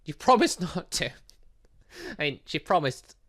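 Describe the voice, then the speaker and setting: A man's voice: fairly high pitch, sing-song, unhurried, a bit bright, exaggerated voice. A man voicing a cheeky, blunt young female student who teases and lectures, in a visual novel game. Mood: pleading, sly. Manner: teasing, lecturing.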